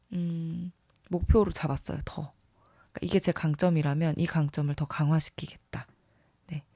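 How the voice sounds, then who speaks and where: A vlogger talking casually and reflectively about themselves, earnest and openly enthusiastic, with a creaky edge to the voice. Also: mid-range voice, dark tone, no echo, studio quality. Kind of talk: casual reflective self-talk to camera or mic.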